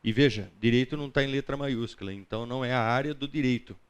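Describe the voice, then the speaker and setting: A man's voice: mid-range voice, quick pace, smooth, muffled recording. A Brazilian man teaching a Bible class in a conversational, didactic lecture style, often putting questions to his listeners.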